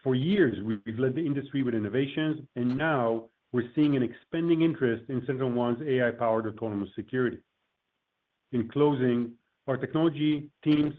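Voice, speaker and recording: Man on a tinny conference call line. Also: medium pitch. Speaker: company executive presenting on an earnings call. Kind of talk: prepared corporate remarks, read from a script.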